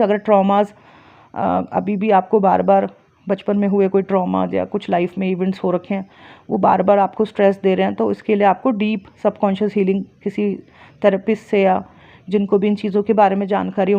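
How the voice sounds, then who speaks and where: A woman, a spiritual healer and astrologer, giving casual advice and telling stories with rising energy. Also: medium pitch. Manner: explains plainly, rises into lively storytelling. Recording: dull lo-fi recording.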